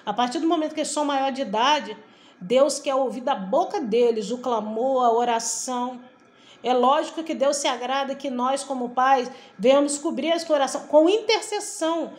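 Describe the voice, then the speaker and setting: A woman's voice: high voice, normal speed, a little mellow. A middle-aged woman from Brazil preaching a devotional sermon in a fervent, emphatic way, often repeating her phrases. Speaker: evangelical preacher.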